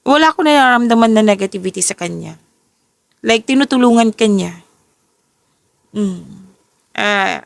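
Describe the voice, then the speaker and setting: A woman talks through a tarot reading, her voice a little worn and tired today. Her tone has a gravelly, creaky texture, recorded close and dry. She keeps catching herself and rephrasing as she goes. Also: mid-range voice, no room sound. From Philippines. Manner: self-correcting, restarts and rephrases as she goes. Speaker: tarot reader. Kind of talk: casual tarot reading, mixing English and Tagalog.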